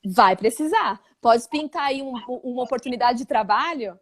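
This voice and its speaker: A woman's voice: on the high side, normal speed. A woman from Brazil, an English teacher, chatting casually in an interview and acting out quoted voices. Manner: animated, acts out quoted voices.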